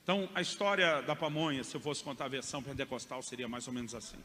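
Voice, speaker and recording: A man's voice: mid-range voice, fairly even intonation, fast talker, pushed and bright. A male pastor with a Brazilian Portuguese accent telling a personal testimony in a chatty, conversational sermon style. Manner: conversational storytelling, addresses listeners as "irmão". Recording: echoey hall with faint noise.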